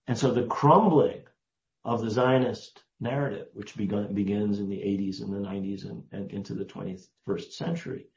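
Interview guest: man in his seventies, low register, measured and emphatic, roomy lo-fi audio. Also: fairly even intonation, creaky, darkish tone. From United States. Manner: deliberate, emphatic, lingers on key words. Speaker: guest historian. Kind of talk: interview answer, storytelling. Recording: roomy, dull lo-fi sound.

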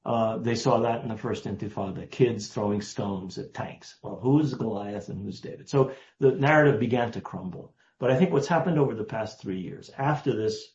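A man, giving a guest's long answers in an interview, deliberate and emphatic, stressing key words. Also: fairly low pitch, a little mellow. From United States. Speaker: guest historian. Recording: roomy, dull lo-fi sound.

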